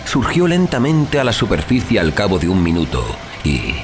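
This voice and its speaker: A man giving a dramatic, measured and expressive narration of a horror story at sea. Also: lowish voice. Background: music.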